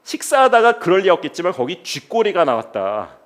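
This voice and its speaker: Animated middle-aged male lecturer. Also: high voice, a little fast. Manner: animated, keeps asking the audience rhetorical questions. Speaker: philosophy teacher giving a guest lecture. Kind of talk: lively public lecture. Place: lecture studio with an audience.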